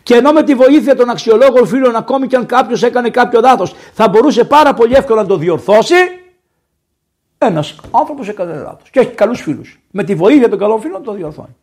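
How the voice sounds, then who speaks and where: Animated Greek priest preaching. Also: male voice, very high voice, husky. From Greece. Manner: lively, conversational preaching with sudden raised emphasis. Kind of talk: sermon.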